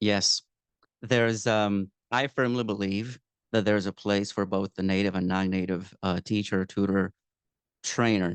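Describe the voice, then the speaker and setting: In a Spanish accent, the speaker goes at a moderate pace with monotone, flat intonation and long, frequent pauses, in a dry, close sound with no echo over a quiet background. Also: man, fairly low pitch for a man. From Colombia. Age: 30s. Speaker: English teacher. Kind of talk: casual interview. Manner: fluent and confident.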